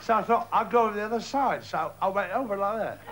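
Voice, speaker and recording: A man speaks with a West Country accent at a moderate pace. His pitch is high, and noticeable background noise is present. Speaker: comedian and magician. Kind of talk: stand-up comedy on TV show. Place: studio.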